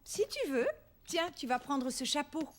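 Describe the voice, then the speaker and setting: A woman playing a kind, amused cartoon mother who speaks attentively and explains gently. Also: high voice, expressive, measured pace, faint music behind. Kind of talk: cartoon dubbing.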